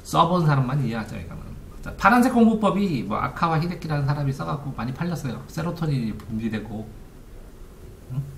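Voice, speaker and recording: A man's voice: a little high, sing-song, brisk, a little hiss or hum. A man giving an informal lecture on study methods as a coach, asking his listeners rhetorical questions. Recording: echoey room.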